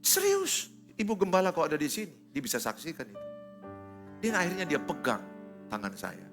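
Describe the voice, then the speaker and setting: A middle-aged male pastor preaching a sermon to a congregation, animated and teasing, swinging from loud exhortation to soft quoted asides. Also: a little high, normal speed, faint music behind. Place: church service before a congregation.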